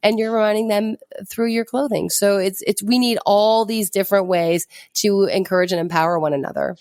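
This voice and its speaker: A female podcast host speaks in an encouraging, conversational way, jumping up in pitch whenever she acts out a quote. Her voice sits at a middling pitch, and the recording is dry and close. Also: brisk, darkish tone, no room sound. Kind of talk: casual interview talk.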